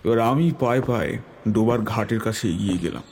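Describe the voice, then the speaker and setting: Male storyteller, slightly low voice, measured literary delivery, dramatic horror narration, faint background noise. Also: darkish tone. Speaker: story narrator, telling it in the first person.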